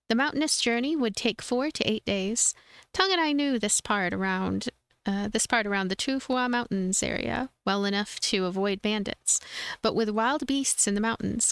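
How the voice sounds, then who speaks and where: A woman's voice: on the high side, a bit bright, smooth, dry recording. A woman streaming a game, reading its narration aloud with informal, conversational commentary. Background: game music.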